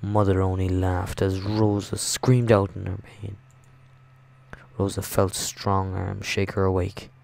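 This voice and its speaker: Slow, creaky low-voiced man. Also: completely flat delivery, a little mellow. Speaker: gaming video host. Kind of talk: reading visual novel narration with casual reactions. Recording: music behind the voice.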